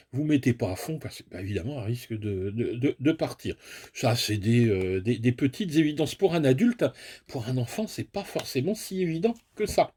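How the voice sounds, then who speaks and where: Male reviewer, husky tone, chatty casual unboxing, talks viewers through it step by step. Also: mid-range voice, darkish tone. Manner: chatty, self-mocking, explains step by step. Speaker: toy and hobby product reviewer.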